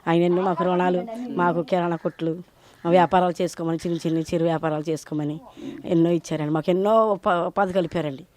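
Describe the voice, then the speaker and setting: A woman's voice: lowish voice, steady tone, quick pace, darkish tone. A woman interviewed on the street, earnestly listing things one by one. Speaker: interviewed voter.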